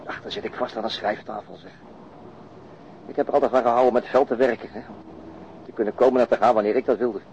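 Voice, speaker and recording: An actor playing a pensive, plain-spoken police detective in a radio drama, understated and conversational. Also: male voice, mid-range voice, fairly even intonation, fast, long pauses, a little mellow, natural voice. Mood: musing. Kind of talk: naturalistic radio drama dialogue. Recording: muffled radio drama recording, clear background noise.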